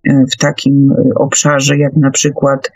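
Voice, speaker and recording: A woman hosting a radio discussion, talking in a halting, deliberate way with frequent hesitations. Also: extremely low pitch, monotone, darkish tone, dry recording, rough recording. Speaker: host.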